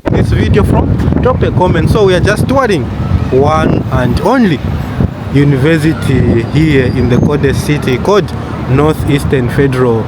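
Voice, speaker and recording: A man's voice: on the high side, animated, normal speed. A young man from Zambia, giving a casual walking tour of a campus to his viewers. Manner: chatty guide addressing viewers directly. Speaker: vlogger touring a campus. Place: outdoors on a city street and campus. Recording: loud outdoor wind and traffic noise.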